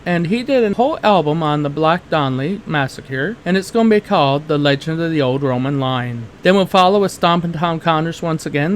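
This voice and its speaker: Ottawa valley guy doing a radio show, kinda high voice, rambly folksy talk, little bit of hiss. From Canada, Ottawa Valley. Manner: folksy and rambling, repeats stock phrases. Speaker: radio host. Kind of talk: radio program introduction.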